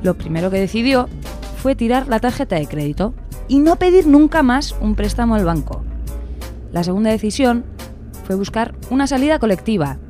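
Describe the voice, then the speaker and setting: A woman's voice: a little high, very animated, normal speed, mellow, soft background music. A woman in a radio play narrating a hopeful tale in an earnest, scripted storytelling style. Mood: earnest, measured.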